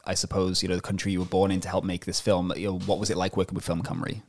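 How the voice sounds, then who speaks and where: A man's voice: low voice, monotone, racing. A young man asking interview questions, hesitant and full of ums, speaking into a studio mic with headphones. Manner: hesitant, many ums and you knows. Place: room with brick wall and lamps, indoors.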